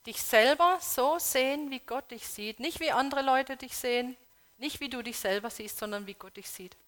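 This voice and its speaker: A woman preaching a sermon, earnestly urging her congregation with questions, moving between loud appeals and soft, hushed emphasis. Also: a little high, normal speed.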